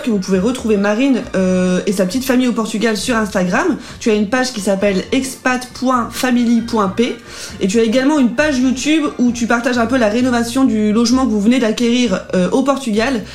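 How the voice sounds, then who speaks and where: A woman's voice: on the high side, darkish tone. A woman hosting a casual radio chat as columnist and interviewer, greeting listeners in a friendly, bubbly way.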